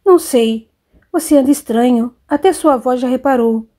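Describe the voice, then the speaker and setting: A worried, gentle mother in an audiobook, voiced by a woman reader, coaxing and questioning softly in a somewhat high, mellow voice. She sounds caring and persistent. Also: normal speed. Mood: concerned.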